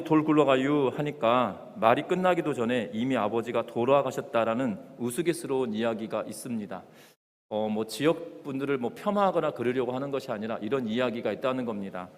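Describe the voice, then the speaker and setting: A male pastor from the Jeolla region, with a Jeolla accent, giving a Sunday sermon in a relaxed, conversational way with fillers and light humor. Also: mid-range voice. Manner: conversational with fillers and joking asides. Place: church sanctuary. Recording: church hall reverb.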